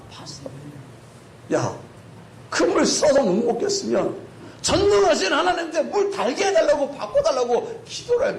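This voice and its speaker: A man's voice: extremely high pitch, roomy sound, slight background noise, pitched above the performer's own voice, heavily acted. A man voicing God as an exasperated father figure scolding his people with repeated rhetorical questions.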